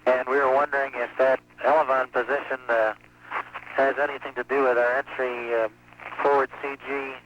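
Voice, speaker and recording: A man, an astronaut speaking over a space-to-ground radio transmission, reporting in a halting way with many fillers and a dry joke now and then. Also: mid-range voice, level tone. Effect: muffled space-to-ground radio transmission. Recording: muffled radio link with faint hiss.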